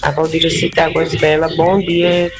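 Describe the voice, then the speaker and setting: An older woman calling in to a radio program, speaking. Her voice is mid-pitched and gravelly, and she offers devout, heartfelt greetings. Faint music sits behind her. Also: level tone, moderate pace. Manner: warm, devout greetings and dedications. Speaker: radio caller.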